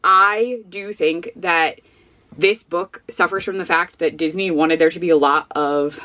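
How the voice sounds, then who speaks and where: A woman with a somewhat low voice talks casually into a camera at home, giving frank, rambling opinions. She sounds sniffly, and her voice is going. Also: fairly even intonation, measured pace, pushed and bright. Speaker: vlogger. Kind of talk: casual book review chat.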